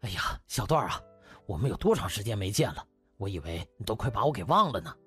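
A male narrator plays a middle-aged official in an audiobook, effusive and loyal to his friend. His delivery is very lively, over faint music, with a slightly husky edge. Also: on the low side, fast talker, voice pushed down, full character voice. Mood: hearty teasing. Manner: effusive, chummy.

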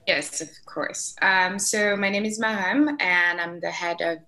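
A young woman from Senegal introducing herself on a panel over a video call, brisk and matter-of-fact. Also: on the low side, pushed and bright.

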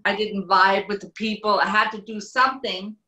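Bright-voiced woman in an echoey room. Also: medium pitch, fairly even intonation, moderate pace. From Switzerland. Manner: storytelling, plainspoken. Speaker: guest. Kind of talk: casual video call chat. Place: home room. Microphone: video call. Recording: echoey room on a video call.

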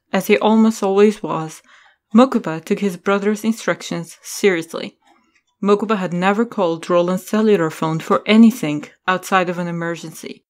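A woman narrator reading scripted story narration for an audio drama. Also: medium pitch.

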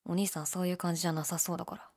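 A young woman playing a laid-back, shyly candid gyaru convenience-store clerk in an audio drama, with a breathy, hesitant, mumbled delivery. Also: flat delivery, racing, darkish tone. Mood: awkward, bemused. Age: young adult. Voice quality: low, breathy. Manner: listless, hesitant, mumbled casual polite speech. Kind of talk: male-oriented situation voice drama, casual chat.

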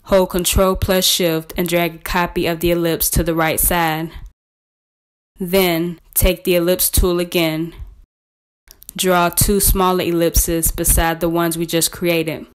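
A woman presenting a scripted step-by-step software tutorial in a measured, instructional way. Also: on the low side, flat delivery, smooth.

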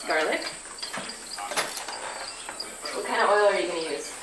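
A woman's voice: lowish voice, lively intonation, rapid-fire. A woman in her thirties teaching a workshop at a flip chart, asking the group questions as she goes. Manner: friendly, asks the group questions. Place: outdoor pavilion, standing at a flip chart. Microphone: far camera. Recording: roomy, distant camera audio with noise. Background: insects and crickets.

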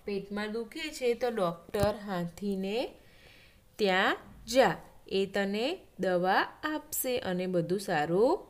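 A woman voicing a kindly grown male bear in a children's story, speaking gently and asking caring questions. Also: mid-range voice, animated, slow. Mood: concerned.

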